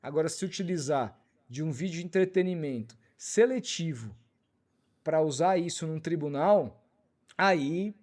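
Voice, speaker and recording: A man with a high voice hosts a live football talk stream. He reads out viewer comments and answers critics in a blunt, informal way, with a quick delivery. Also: a little mellow. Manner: blunt, fast-talking, informal. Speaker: channel host reading superchats.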